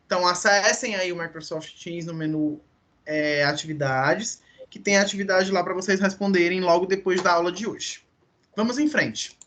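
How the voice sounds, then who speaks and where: A man's voice: high voice, moderate pace, a bit bright. A man lecturing a university class online, explaining step by step and often checking in with his students.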